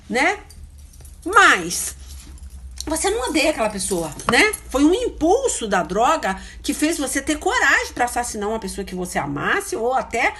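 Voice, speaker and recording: A woman preaching an informal sermon, chatty and self-interrupting, tagging phrases with quick questions. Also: a little high, a bit bright. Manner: chatty, hunts for verses aloud, frequent "né?" tags. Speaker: missionary preacher.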